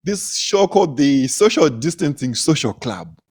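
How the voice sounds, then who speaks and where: A man's voice: fairly high pitch, very animated, unhurried, a little mellow, husky. A young man from Zimbabwe, a comedian, telling stories in casual conversation, laughing often and repeating words as he goes. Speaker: comedian, guest.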